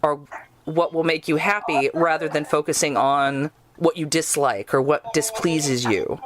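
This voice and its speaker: A woman's voice: low-pitched, unhurried, background noise. A woman podcast host chatting casually and reflectively, drifting into asides and bits of imagined quotes. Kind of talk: casual interview chat.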